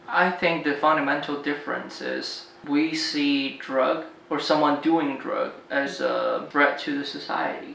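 In a room with audible echo and light background noise, a man with a Chinese accent talks at a fairly slow pace. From China. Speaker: travel vlogger. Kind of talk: casual chat. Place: home room.

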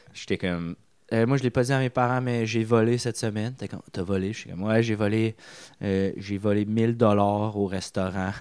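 Over a quiet background, a man speaks at a moderate pace with a fairly low pitch and fairly even intonation. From Quebec. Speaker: comedian. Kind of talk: casual chat. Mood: amused, joking anecdote. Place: office. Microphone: studio mic.

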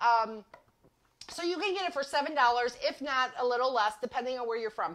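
Quick-paced and lively in intonation, a woman speaks at a high pitch. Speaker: craft video host. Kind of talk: live craft tutorial. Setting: live stream video. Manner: animated. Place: home room. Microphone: lapel.

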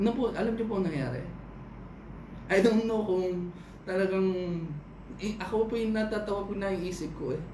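Against noticeable background noise, a man with a Filipino accent speaks at a fairly quick pace with long, frequent pauses, his high pitch showing ordinary variation. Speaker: pastor leading online prayer meeting. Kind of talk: fervent intercessory prayer, spoken aloud with repeated 'Lord' and 'hallelujah'; preaching or teaching in a Taglish mix. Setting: online livestream.

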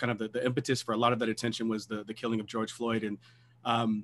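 A man's intonation stays monotone and flat, with light background noise behind him. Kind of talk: meeting remarks. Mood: earnest, serious. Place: home room. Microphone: video call.

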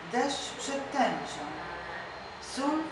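A woman with a high pitch speaks at a very slow pace. Room echo is audible, and background noise is noticeable. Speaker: poet reading own poem. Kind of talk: poem reading. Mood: calm, measured, reflective. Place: cafe.

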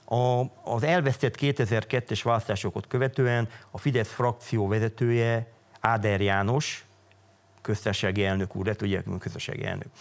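Fairly slow pace and fairly even intonation. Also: man. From Hungary. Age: 50s. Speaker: politician; interviewee, former lawyer, politician. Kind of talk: interview. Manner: halting, with many fillers. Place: studio. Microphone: lapel.

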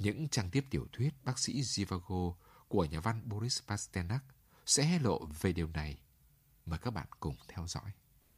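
A man speaks at a moderate pace in a fairly low, somewhat breathy voice with very wide pitch swings, on a very clean recording with a silent background. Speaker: radio announcer, narrator. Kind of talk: scripted radio narration.

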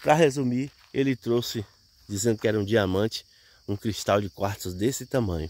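A man's speech holds a moderate pace and shows ordinary pitch variation. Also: medium pitch for a man. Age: 40s. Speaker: YouTuber. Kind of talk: storytelling vlog. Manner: casual, animated.

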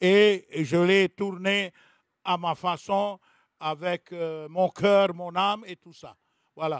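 The speech moves at a very slow pace with long, frequent pauses, big swings in loudness, and fairly even intonation. The sound is dry and close with no echo, on a very clean recording with a silent background. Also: man, high pitch for a man. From Marquesas Islands, Ua Pou. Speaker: storyteller and author. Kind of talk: book presentation talk. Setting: stage with audience. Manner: halting.

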